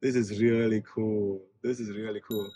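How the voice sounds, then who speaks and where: A man from Australia giving casual, excited commentary as host of a test-drive vlog inside a car, often repeating his phrases. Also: fairly low pitch, normal speed, slightly rough. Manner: enthusiastic, repeats phrases, hesitant with frequent repetition.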